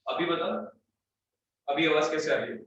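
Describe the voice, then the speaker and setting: Teaching electronics live online from a studio, this man talks firmly and bluntly at normal speed, his voice a little high. The audio is dull, picked up by a faraway studio mic with faint noise and washed in heavy, canyon-like echo.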